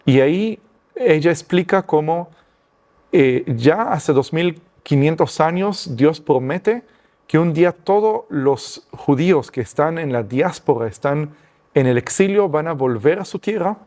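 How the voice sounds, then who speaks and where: Hombre israelí, español titubeante. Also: male voice, a little high, lively intonation, a little slow, a little mellow. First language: Hebrew. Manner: hesitant, many fillers and restarts, searching for Spanish words. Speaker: guest giving testimony. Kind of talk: personal testimony interview.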